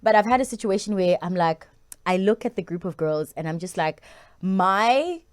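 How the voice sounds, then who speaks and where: A woman's voice: mid-range voice, expressive, normal speed, smooth. A South African woman hosting a casual talk, speaking expressively and acting out her thoughts as she goes. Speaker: talk show host. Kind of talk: casual conversational interviewing.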